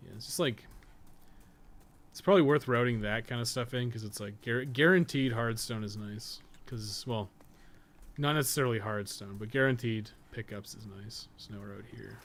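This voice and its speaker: A man giving casual live gameplay commentary as a guide host, explaining things in a relaxed, sweary way. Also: mid-range voice, moderate pace. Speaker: game streamer and guide host.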